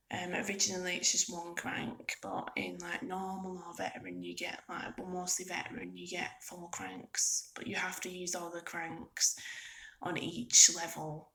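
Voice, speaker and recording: A woman gives a casual, soft-spoken ASMR ramble as a gaming vlogger, halting and informal, often slipping into a breathy near-whisper. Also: fairly low pitch, low-quality recording. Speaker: video game vlogger.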